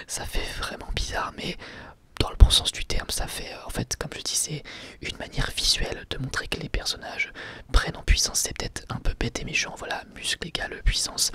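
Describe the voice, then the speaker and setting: A man whispering a casual ASMR review, soft and hesitant, with many small pauses and fillers. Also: a little high.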